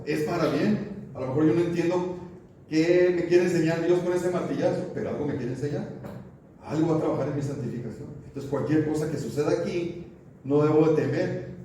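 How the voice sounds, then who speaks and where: A man's voice: a little high, warm tone. Pastor guy preaching in a big echoey church, mic kinda far off, faint room hum, keeps asking the crowd questions. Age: middle-aged. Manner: folksy, anecdotal preaching. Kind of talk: sermon. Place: church sanctuary.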